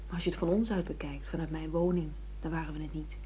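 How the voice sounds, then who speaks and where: A woman's voice: sits low, fairly even intonation, quick pace, a little hiss or hum, natural voice. An actress playing a cool, pragmatic woman, matter-of-fact and self-justifying, in a Dutch radio play. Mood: evasive, cool. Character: cool, calculating woman, pragmatic sham lover. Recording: dull lo-fi radio play recording.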